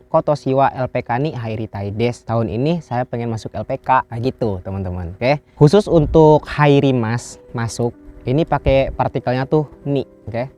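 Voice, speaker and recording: A man from Indonesia gives a casual language lesson. He walks through each phrase step by step and slows down to drill the words. Soft music plays faintly behind him, and his pitch sits in the middle range. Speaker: Japanese language teacher, channel host.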